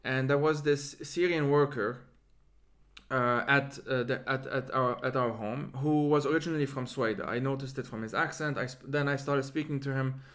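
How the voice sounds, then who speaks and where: Rolling his R's, this Lebanese interviewer and podcast host muses out loud in reflective conversation, drifting through one aside after another. He speaks at a normal speed in a mid-range, fairly bright voice with fairly even intonation.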